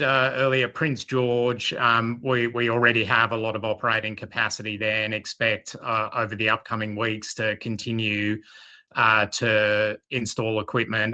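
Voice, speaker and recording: Exec guy on an earnings call, really sharp bright voice, pretty monotone, careful and halting. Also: lowish voice, muffled recording. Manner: measured, halting, careful phrasing. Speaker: company executive.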